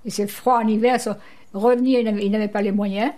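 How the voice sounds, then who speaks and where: A woman's voice: medium pitch, quick pace. Chatty older Breton woman. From Brittany, France. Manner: lively storyteller, chatty and animated. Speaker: guest, returned emigrant. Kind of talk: radio interview chat.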